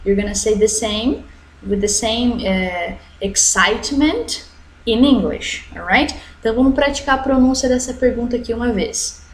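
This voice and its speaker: Woman, Brazilian accent, English teacher, online class for kids, slow model sentences, roomy echo. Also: on the high side, expressive, a little hiss or hum. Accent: Brazilian Portuguese. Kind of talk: online English lesson for children. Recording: echoey room.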